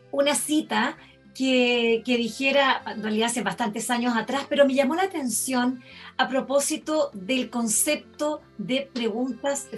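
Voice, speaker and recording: Higher-voiced woman interviewer, halting. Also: a bit bright. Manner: halting, with many fillers. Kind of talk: moderated literary interview.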